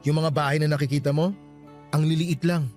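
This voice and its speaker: A man's voice: fairly high pitch, flat delivery, brisk, darkish tone, close to an everyday voice. A man playing a teasing, easygoing young suitor in a radio romance drama. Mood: wistful, sincere. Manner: casual, teasing. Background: music.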